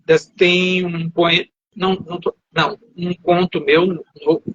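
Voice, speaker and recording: A man's voice: sits high, level tone, a little slow, fairly bright tone, dry recording. A man from Salvador, Bahia, a writer guest in a live video interview, who rambles and corrects himself mid-sentence. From Salvador, Bahia, Brazil. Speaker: author guest. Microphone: video call. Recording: dull, dry video call audio.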